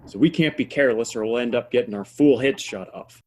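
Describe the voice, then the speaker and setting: A man playing a gruff, plain-spoken frontier man in a western audio play, with steady, folksy phrasing. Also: mid-range voice, a little fast, slight background noise, natural voice. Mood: urgent, scheming.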